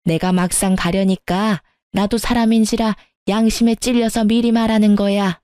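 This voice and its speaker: A woman's voice: mid-range voice, steady tone, moderate pace, mellow, no echo, studio quality, natural voice. A woman voicing a pushy, domineering older mother-in-law who nags and scoffs. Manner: nagging, domineering.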